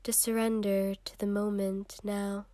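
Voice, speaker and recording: A woman leading a guided meditation in a soft, soothing, unhurried way with long pauses, breathy at times. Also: medium pitch, level tone, dry recording.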